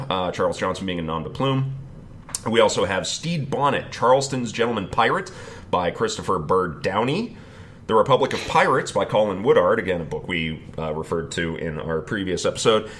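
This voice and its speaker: A man co-hosting a casual podcast, laughing often and dropping quick asides as he leads the talk. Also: fairly low pitch, a bit bright. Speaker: podcast co-host.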